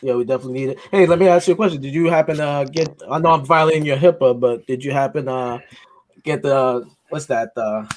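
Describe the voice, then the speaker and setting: A man hosting a wrestling podcast, trading jokes and telling stories in casual chat. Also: mid-range voice. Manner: joking, storytelling, drawn-out intros. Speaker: podcast host.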